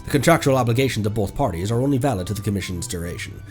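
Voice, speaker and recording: A man's voice: lowish voice, expressive, racing, a little mellow. A man livestreaming a game, playful and theatrical, reacting and reading dialogue aloud. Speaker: streamer. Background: faint game music.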